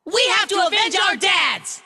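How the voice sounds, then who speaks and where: A woman voicing an earnest, good-hearted teenage boy hero from a dubbed anime, excitable and naive. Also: very high-pitched, measured pace, vocal fry, shouting, a little hiss or hum, heavily acted. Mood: determined.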